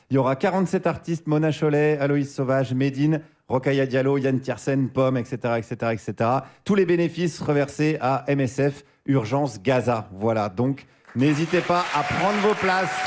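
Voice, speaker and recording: A man hosting a live radio show, relaxed and joking as he introduces and questions guests. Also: fairly high pitch. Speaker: radio host. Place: radio studio.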